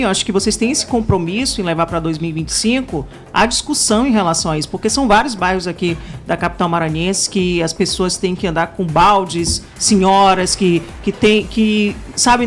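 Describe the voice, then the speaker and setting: A woman commenting on a radio talk show, speaking in an animated, emphatic way. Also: medium pitch.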